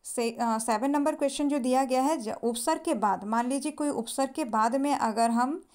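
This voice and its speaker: Higher-pitched woman teaching exam questions. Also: normal speed, a little mellow. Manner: explains patiently, repeats each answer, often says "thik hai". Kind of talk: exam-prep lesson, going through multiple-choice questions.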